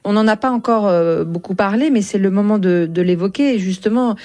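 A woman's voice: medium pitch, brisk, darkish tone. A woman interviewer who guides the conversation, summing up and rephrasing her guest's points. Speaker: radio interviewer. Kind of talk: interview questions.

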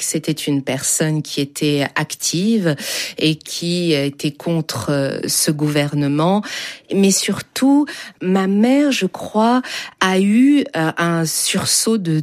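A woman giving an interview, speaking thoughtfully with frequent pauses and hesitations. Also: lowish voice. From Germany. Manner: slow, thoughtful, pausing with hesitations. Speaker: interview guest. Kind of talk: radio interview answers.

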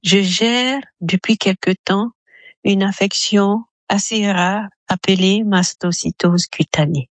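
A woman in her seventies from Gabon, a radio caller giving a measured testimony, her voice disguised with a voice changer. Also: mid-range voice, no echo. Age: 70s. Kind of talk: recorded listener testimony.

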